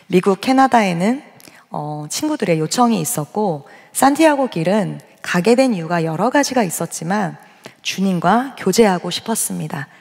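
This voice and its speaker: Husky woman pastor in a reverberant church. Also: mid-range voice, lively intonation, moderate pace, darkish tone. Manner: conversational, asks the congregation questions directly; acts out her own side of dialogues in quotes. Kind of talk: sermon with personal testimony. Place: large church sanctuary. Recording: long reverb of a large church hall.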